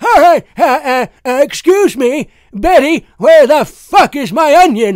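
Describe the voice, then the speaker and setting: Someone speaks in a put-on character voice, high-pitched and at a fairly slow pace. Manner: crude, grumpy.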